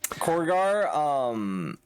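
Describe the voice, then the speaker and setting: A man's voice: on the high side, very animated, very slow, a crowd in the background. A man playing a tabletop game, chatting casually and jokingly.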